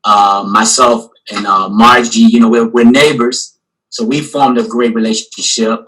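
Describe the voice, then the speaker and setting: A man from Newport News, Virginia, an artist and guest curator, speaks casually on a video call panel, rambling and filling his sentences with "you know." His mid-range voice is steady, a little slow, slightly bright with a breathy edge, and the recording quality is low.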